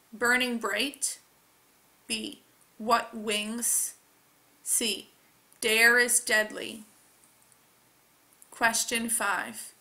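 A woman teacher reading scripted test questions aloud in a deliberate, carefully enunciated way. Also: fairly high pitch, bright, forceful tone.

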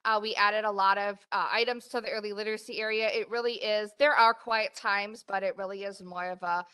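Speaking fairly quickly into a desk microphone in a meeting room, a woman gives the library report at a board meeting as library director, cheerful and filler-heavy. Her medium-pitched voice is bright, smooth, and forceful, with a steady tone.

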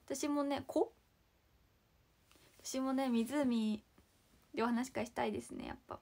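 Bubbly high-voiced young woman streaming. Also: fast talker, creaky, a little mellow, husky. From Saitama, Japan. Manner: chatty and bubbly, thanking viewers by name, drops into whispers. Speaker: idol livestreaming and reading viewer comments. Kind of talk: casual livestream chat.

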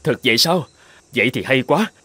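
A man voicing a brawny tribal chief in an animated fairy tale, earnest and theatrical. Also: mid-range voice, a little fast, husky, no room sound. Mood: pleased. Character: brawny male tribal chief, scheming captive husband.

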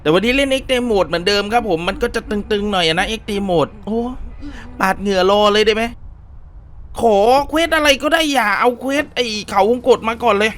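A man with a high voice provides casual horror-game commentary for his viewers. His pitch swings widely as he exclaims, and he stays polite and chatty throughout. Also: moderate pace. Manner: excitable, laughs and exclaims often. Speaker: let's play host.

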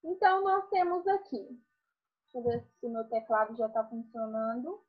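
In an online class, a primary school teacher goes back over a lesson with her pupils, slowly posing questions and then answering them herself. Her voice sits on the high side, and the audio sounds dull.

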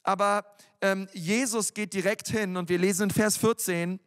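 A man's voice: high voice, fairly even intonation, moderate pace, fairly bright tone, clean tone, in a large hall. A male pastor preaching a sermon in a casual, youthful way, with frequent fillers and slang. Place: church hall.

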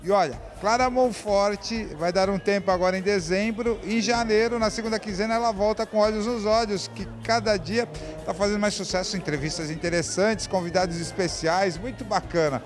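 A man's voice: high-pitched, fairly quick, faint music behind. A man with a Brazilian Portuguese accent, hosting and interviewing guests at a party with a handheld mic, full of compliments. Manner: enthusiastic, complimentary. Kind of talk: upbeat event interview. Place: crowded evening party venue.

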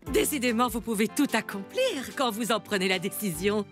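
An actress playing a jolly, folksy old granny pastry chef in a cartoon, theatrical and self-satisfied. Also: female voice, fairly high pitch, expressive, moderate pace, over music, lightly acted. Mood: pleased. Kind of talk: animated cartoon dubbing.

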